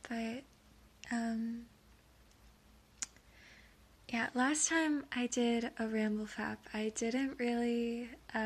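A woman with a sniffly voice from allergies, rambling in a nervous, halting way, stammering, filling pauses and giggling, sometimes dropping to a whisper. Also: fairly high pitch. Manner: drops into soft whispers at times; giggles often. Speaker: audio creator. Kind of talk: rambling casual monologue.

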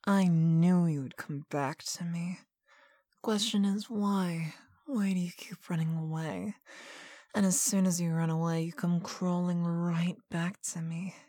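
A woman performing a whispered hypnosis roleplay, speaking softly and commandingly into a close microphone. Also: lowish voice, steady tone, dry recording. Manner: slow, soft, commanding, often whispered. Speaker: hypnosis audio narrator.

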